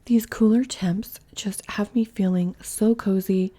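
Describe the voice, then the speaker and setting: A woman's voice: medium pitch, fairly even intonation, measured pace, dark tone. A woman hosting a home cooking vlog, chatting through each step in a casual, thinking-aloud way from her kitchen. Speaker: cooking channel host.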